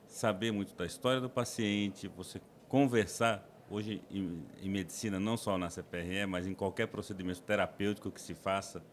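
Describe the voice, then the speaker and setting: A man's voice: low-pitched, fairly even intonation, moderate pace, hardly any pauses, a little hiss or hum. A man from the interior of São Paulo, a guest endoscopist explaining his work in a podcast interview, with frequent restarts and fillers. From interior of São Paulo state, Brazil.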